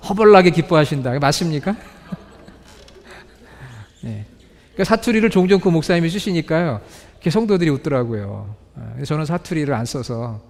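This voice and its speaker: A man preaching a sermon to his congregation, asking them questions and reading scripture slowly. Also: medium pitch, gravelly, a little mellow. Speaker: pastor. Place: church sanctuary. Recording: reverberant church hall.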